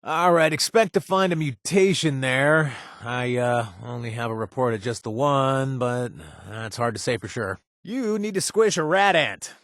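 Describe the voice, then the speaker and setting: A man's voice: medium pitch, expressive, moderate pace, fairly bright tone, dry recording, studio quality, natural voice. An actor playing a laid-back, wisecracking young male mercenary in a video game, talking casually with joking asides and filler sounds. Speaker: quest-giving companion. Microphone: dry studio recording.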